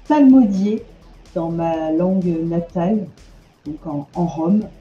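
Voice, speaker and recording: A woman takes her turn in a tabletop game, laying out her character's actions in a calm, measured way. Her voice is very dark and warm, heard through dull, echoey online-call audio with faint music. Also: fairly low pitch. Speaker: player.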